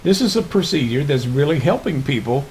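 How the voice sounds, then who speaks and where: A man's voice: fairly high pitch, very animated, brisk, a little mellow, slight background noise, rough recording. A man hosting a faith-based TV talk show, leading the conversation with his guest. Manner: conversational, leading the discussion with questions.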